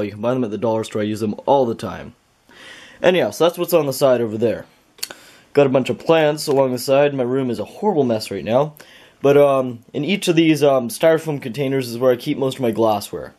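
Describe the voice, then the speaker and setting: A man's voice: medium pitch, darkish tone. Young Canadian man, casual and rambling. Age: young adult. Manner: informal, rambling, self-correcting. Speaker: host of a home chemistry channel. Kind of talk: casual vlog, unscripted lab tour. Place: small home bedroom with a makeshift lab.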